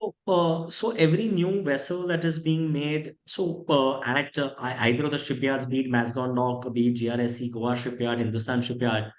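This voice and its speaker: An Indian-accented man speaks as a company executive fielding questions on a call. His voice sits at a middle pitch and he explains things in a measured way. The room around him is noticeably echoey. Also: fairly even intonation. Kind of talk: conference call question and answer.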